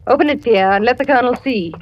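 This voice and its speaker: An actress playing a French wife in wartime, secretive and deceptive, speaking in hushed, measured 1940s radio drama style. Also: female voice, on the high side, highs cut off, lightly acted. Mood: cold.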